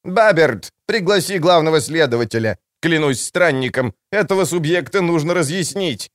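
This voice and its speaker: A man voicing an irritable, sharp-tongued woman who leads a guild, snapping and hissing. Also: fairly high pitch, lively intonation, moderate pace, pitched above the performer's own voice, close to an everyday voice. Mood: irritated.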